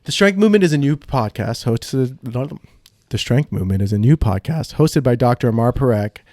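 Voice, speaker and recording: A man of ordinary pitch hosts a laid-back podcast chat, talking with easy banter and lots of ums. His voice sounds close and dry, with little room sound. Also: no room sound. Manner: relaxed, joking banter with many fillers. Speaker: podcast host, physical therapist. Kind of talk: casual podcast interview.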